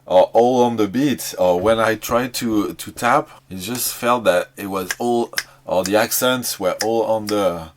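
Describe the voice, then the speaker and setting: Slow, hesitant man with a low voice. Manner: hesitant, repeats words while searching for phrasing. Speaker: podcast guest reviewer. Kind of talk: casual music critique.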